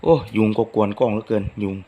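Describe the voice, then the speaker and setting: A man's voice: lowish voice, fairly even intonation, fast talker, mellow, a little hiss or hum. Rambling man chatting to his followers. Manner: rambling, homely, many fillers. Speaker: channel host. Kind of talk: casual chat to followers. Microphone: phone microphone.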